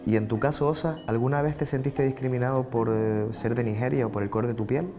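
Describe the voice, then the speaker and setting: A man's voice: mid-range voice, fairly even intonation, fast, mellow, soft background music. A man working as a TV reporter, putting interview questions to pupils.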